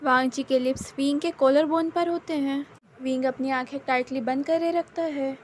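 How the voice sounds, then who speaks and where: Female story narrator, high pitch, steady plain telling, faint noise behind. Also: moderate pace. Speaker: fan fiction narrator. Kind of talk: narrating her own fan fiction.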